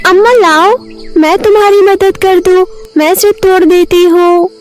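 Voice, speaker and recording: Woman as a high, sweet young fairy. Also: fairly even intonation, measured pace, soft background music. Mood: helpful. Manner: sweet, eager to help. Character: kind young fairy woman in girl disguise.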